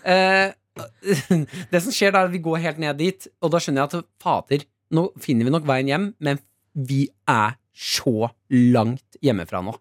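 Lively Norwegian man telling a story. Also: fairly high pitch, no room sound, studio quality. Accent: Norwegian, Oslo. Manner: animated anecdote telling with laughs and acted quotes. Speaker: radio co-host. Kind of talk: casual morning radio storytelling.

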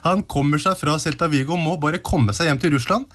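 A man co-hosting a football podcast, talking hesitantly with many pauses and restarts. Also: a little high, a bit bright. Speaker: podcast co-host. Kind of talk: casual sports chat.

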